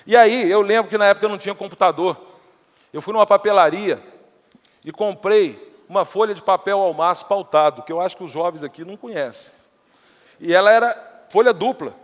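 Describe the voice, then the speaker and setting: A middle-aged Brazilian man from the Minas Gerais countryside speaks on stage, his voice pitched high and ringing out through a large hall with a long reverb. He tells his story to the crowd in a chatty, anecdotal way, acting out the dialogue he quotes. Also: fairly quick. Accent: Brazilian Portuguese, countryside Minas Gerais. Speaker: entrepreneur giving a talk. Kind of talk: motivational storytelling talk to a live audience.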